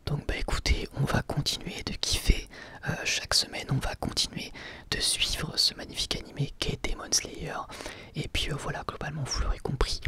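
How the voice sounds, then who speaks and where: A person whispering a casual, enthusiastic ASMR review in a soft, breathy voice, with slangy wording, as host of an anime channel. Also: medium pitch.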